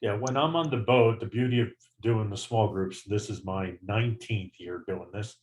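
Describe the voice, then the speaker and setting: A man's voice: on the low side, moderate pace, a little mellow. A man, a photography guide, chatting casually on a video meeting and explaining camera settings in a self-deprecating way. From Florida.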